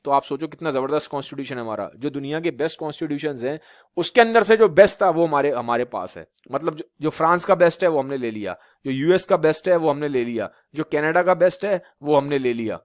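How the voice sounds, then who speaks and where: A man's voice: on the high side, lively intonation, quick pace, no room sound, studio quality. A male teacher from Uttar Pradesh lecturing students, mixing English terms into his talk and often asking rhetorical questions and checking that they follow. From Uttar Pradesh, India. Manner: repetitive rhetorical questions, frequent "theek hai" checks. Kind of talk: classroom lecture in Hindi mixed with English.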